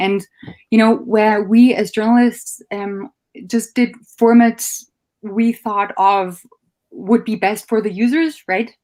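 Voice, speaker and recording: A woman talks at a very slow pace in a German accent. Her pitch is fairly high. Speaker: journalist and media format developer. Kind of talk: interview on a live video show.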